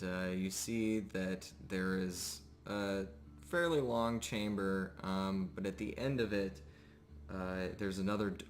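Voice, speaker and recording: A low-pitched man narrates a live tabletop roleplaying game as its game master, often pausing mid-sentence while describing the scene. Music plays in the background.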